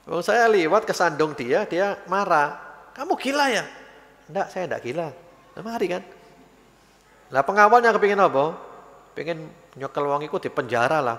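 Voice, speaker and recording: Gravelly East Javanese preacher in mosque reverb. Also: male voice, a little high, fairly bright tone. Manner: storytelling, acts out quoted voices, mixes Javanese into Indonesian. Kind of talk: sermon. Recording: live broadcast with long reverb in a mosque.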